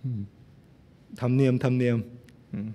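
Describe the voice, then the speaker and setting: A male Buddhist monk preaches in a middle-pitched voice, mixing storytelling with teasing jokes aimed at his listeners. His voice carries a long reverb tail, as if recorded in a big hall. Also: flat delivery, moderate pace, dark tone. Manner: playful, joking asides to listeners. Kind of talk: sermon with storytelling.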